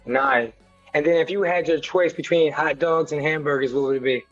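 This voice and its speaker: A man from the American Midwest interviewing a guest in a casual, playful, slangy way with quick interjections. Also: on the high side, no echo, lo-fi sound, faint music behind. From Detroit, Michigan, US.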